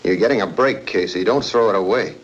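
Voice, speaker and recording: A blunt lawman, played by an actor speaks curtly in a lowish voice. The sound is dull, like an old film soundtrack. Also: fairly quick, close to an everyday voice. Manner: curt.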